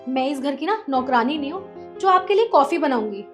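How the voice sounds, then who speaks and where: A woman's voice: high-pitched, lively intonation, fairly quick, soft background music. A woman playing a spiteful young sister-in-law. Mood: taunting. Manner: sharp, taunting. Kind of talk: Hindi family drama acting.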